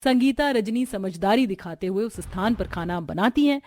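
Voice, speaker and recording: A woman giving scripted story narration in a brisk, matter-of-fact way. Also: mid-range voice, lively intonation, a little mellow, no room sound, clean studio sound.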